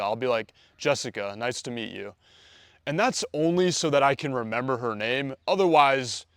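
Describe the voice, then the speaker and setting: A man's voice: mid-range voice, no room sound, clean studio sound. Confident man coaching straight to camera. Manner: confident, conversational, acts out quoted dialogue. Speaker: dating coach. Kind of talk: direct-to-camera coaching video.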